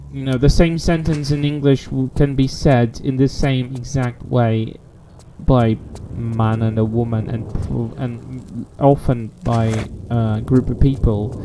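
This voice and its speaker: A man's voice: medium pitch, noisy background. A young man from Poland with a Polish accent, chatting casually while streaming a game, thinking aloud with frequent restarts. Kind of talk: casual gaming stream chat. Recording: game music playing behind.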